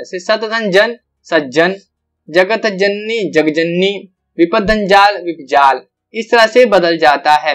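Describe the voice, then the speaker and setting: A young man teaching an online grammar lesson, explaining step by step and repeating each example with drawn-out syllables. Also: sits high, a bit bright.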